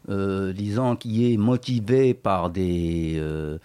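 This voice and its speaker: A man's voice: low voice, takes it slowly, dark tone, smooth. A man in his forties from Morocco, a writer and guest in a radio interview, talking thoughtfully with many hesitations and restarts.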